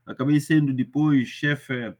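Mozambican man in his fifties, interviewee, measured and hesitant, mid-pitched. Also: fairly even intonation, a little mellow. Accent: Mozambican Portuguese. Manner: hesitant, many fillers and restarts, measured. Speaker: interviewee, former student. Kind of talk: reflective interview recollection.

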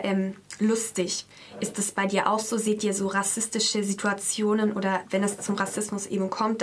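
A woman interviewer asks her guests questions at a middle pitch. She speaks casually and leans on fillers as she shapes each question. A faint room ambience sits behind her. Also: slight background noise.

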